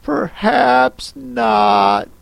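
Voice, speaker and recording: A man voicing a polite, puzzled young girl who speaks softly and cautiously. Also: high voice, wildly swooping pitch, vocal fry, dry recording, voice pushed up, exaggerated voice. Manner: polite, cautious, soft and slow.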